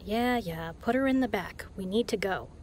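A woman's voice: medium pitch, lively intonation, normal speed, darkish tone, natural voice. An actress playing a tough, commanding but caring female spy in an intimate audio drama. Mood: bossy.

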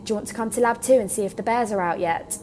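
A woman's voice: mid-range voice, racing, background noise, lightly acted. A woman acting a kindly, rather lonely research scientist in a naturalistic audio drama. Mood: encouraging. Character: kindly, lonely, hard-working female Arctic scientist. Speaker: actor.

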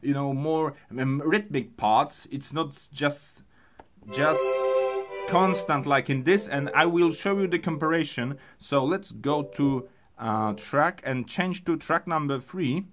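Man tutor, very slow halting delivery, faint piano behind. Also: on the high side, a bit bright. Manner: halting, many fillers and restarts. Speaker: music gear tutorial host. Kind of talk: casual tutorial explanation.

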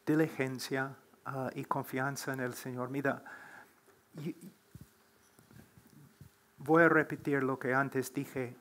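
A middle-aged man answering questions on a church panel in a slow, earnest, preacherly way that builds to emphatic exhortation. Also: medium pitch, little pitch movement, fairly bright tone. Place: church platform, seated before a large wooden cross.

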